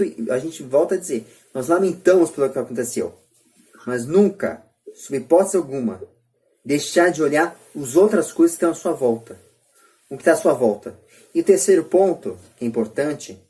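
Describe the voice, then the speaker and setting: With a slightly mellow voice on the higher side, a São Paulo-accented man hosts a podcast debate, pressing his opinions emphatically. He leans on rhetorical flourishes and keeps repeating phrases.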